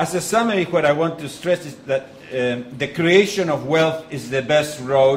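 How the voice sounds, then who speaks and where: An Argentinian-accented man with ordinary pitch variation over noticeable background noise. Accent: non-native, Argentinian. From Argentina. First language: Spanish. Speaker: economist, conference speaker. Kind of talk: lecture. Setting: conference, audience.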